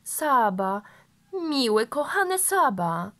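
A woman doing an excited little girl. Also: fairly high pitch, slow pace, exaggerated voice.

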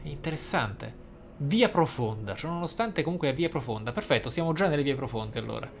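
A man with a mid-range, creaky voice talks a little fast and with animation while hosting a role-play gaming video. He reflects on and explains the game, sometimes reading its text aloud. Faint noise and game ambience can be heard.

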